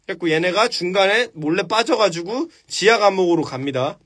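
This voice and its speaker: A man's voice: high-pitched, lively intonation, a little fast, a bit bright. A man on a phone live stream, casually retelling a story with crude slang and acted-out voices. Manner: crude slangy retelling, acts out stuttering and panicky characters.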